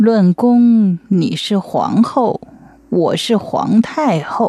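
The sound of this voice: Pitch moves in an ordinary way. This is an unforced reading voice.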